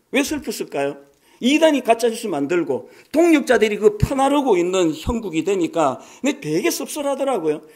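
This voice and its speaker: A man in his sixties, a pastor, preaching a sermon in a conversational, animated way with many rhetorical questions. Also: very high voice. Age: 60s.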